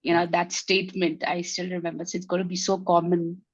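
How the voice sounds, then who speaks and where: A hoarse woman speaks up in a video call, grateful and reflective, pausing often on fillers. Her voice sits low for a woman, and the call audio is slightly dull. There is no room echo. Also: monotone. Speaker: meeting participant. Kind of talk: casual online meeting chat.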